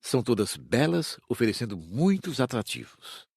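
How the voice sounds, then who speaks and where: A man reading an audiobook in a measured, expressive way. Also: mid-range voice, creaky, husky, no echo, studio quality. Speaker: audiobook narrator.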